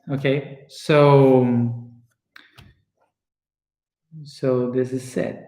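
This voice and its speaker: A young man with an Argentine accent and Spanish as his first language, talking to his viewers in a casual personal monologue and often pausing to search for words. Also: medium pitch. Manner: searching for words, many fillers and restarts. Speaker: spiritual speaker. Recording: echoey room.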